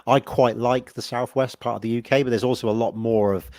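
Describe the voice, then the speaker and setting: A man's voice: mid-range voice, fairly even intonation, brisk, a little mellow, no room sound, clean studio sound. A young man with a West Country English accent, hosting a podcast interview in a friendly, rambling way. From Southwest England. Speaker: podcast host. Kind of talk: casual interview questions.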